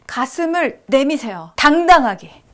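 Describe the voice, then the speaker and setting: High-pitched young woman giving lively style tips. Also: a little slow, slight background noise. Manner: lively, demonstrative, often drops to a whisper. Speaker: beauty and style YouTuber. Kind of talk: casual tutorial vlog.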